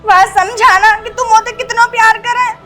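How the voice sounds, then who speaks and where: A woman's voice: very high voice, steady tone, moderate pace, pushed and bright, faint music behind. A woman playing a meek, pleading young village bride. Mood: hurt. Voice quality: pleading, tearful. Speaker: daughter-in-law. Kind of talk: rural Hindi film drama.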